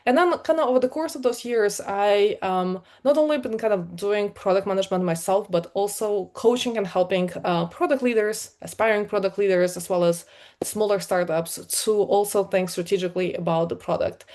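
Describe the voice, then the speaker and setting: Ukrainian-accented woman giving a lively talk. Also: mid-range voice, normal speed. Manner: many fillers, energetic and conversational. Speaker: conference speaker, product leader. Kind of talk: live talk to an online meetup.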